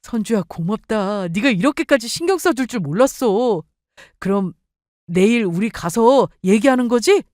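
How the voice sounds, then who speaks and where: A woman's voice: a little high, animated, normal speed, darkish tone, no room sound, studio quality, close to an everyday voice. A woman voicing an eager, pushy young husband with a wheedling manner.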